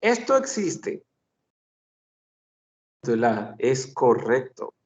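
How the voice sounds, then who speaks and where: A man's voice: mid-range voice, wildly swooping pitch, very slow, far from the mic. A man teaching a French phonetics class, patiently repeating sounds and examples. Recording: dull lo-fi recording.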